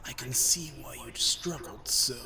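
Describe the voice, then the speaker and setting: A man voicing an evil talking skull in a video game, a pompous, gloating villain with a breathy, whispery, theatrical and sneering delivery. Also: mid-range voice, unhurried, bright, forceful tone, heavily acted. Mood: smug sarcasm. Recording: echoey, distant, crowd-like noise behind.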